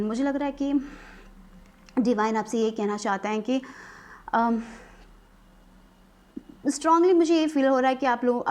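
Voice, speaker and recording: A woman with a somewhat high voice hosts a casual tarot reading. She offers gentle, reassuring advice directly to her viewers. She drops English phrases into her talk and keeps checking in with her listeners. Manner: mixes English words and phrases into her sentences; reassuring and advising, with frequent filler checks. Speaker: tarot card reader.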